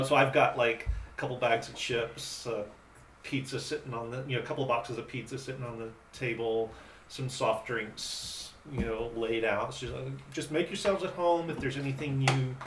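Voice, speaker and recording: A man playing a tabletop roleplaying game, describing the scene in a rambling, halting way. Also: mid-range voice, steady tone, a bit bright. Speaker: player. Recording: roomy distant mic with faint hiss.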